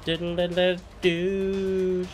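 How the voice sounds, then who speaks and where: A man's voice: high-pitched, completely flat delivery, drawn-out words, darkish tone, soft background music. An eighteen-year-old man giving casual, playful live commentary as he speedruns a video game.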